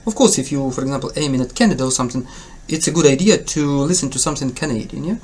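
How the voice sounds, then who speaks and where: A man's voice: mid-range voice, animated, racing, a little mellow. A man from Ukraine with a Ukrainian accent, an English test tutor talking casually to his viewers, hesitant with many fillers and self-corrections but encouraging. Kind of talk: casual spoken tutorial to camera.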